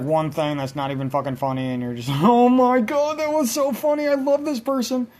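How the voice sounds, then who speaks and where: A man ranting in casual let's-play commentary, rambling and swearing constantly as he vents. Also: fairly high pitch. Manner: rambling, profane, venting. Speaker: gaming channel host.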